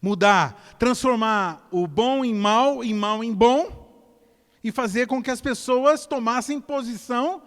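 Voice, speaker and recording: A man with a Brazilian Portuguese accent, preaching a sermon as a pastor in an animated way and calling out to his congregation. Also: extremely high pitch, slow pace. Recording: long church-hall reverb.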